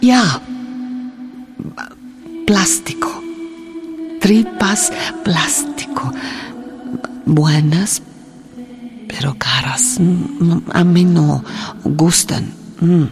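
An actress playing an immigrant woman in a radio drama, with a foreign accent and halting, broken Spanish full of searching hums. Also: on the low side, over music. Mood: chatty, hesitant. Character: slow, halting immigrant woman explaining recipes and family troubles.

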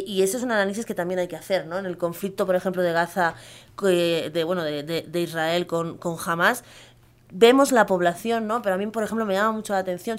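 A middle-aged woman from Spain with a Castilian Spanish accent, speaking earnestly as a guest in a live radio interview, often adding tag questions and fillers. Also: lowish voice. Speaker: guest lawyer and activist.

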